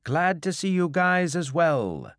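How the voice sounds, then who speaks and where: A man's voice: medium pitch, sing-song, unhurried, dry recording, clean studio sound, pitched above the performer's own voice. A man voicing a roguish alien trader captain, cheeky and breezy, in an audiobook. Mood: cheerful, glib. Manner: glib, breezy.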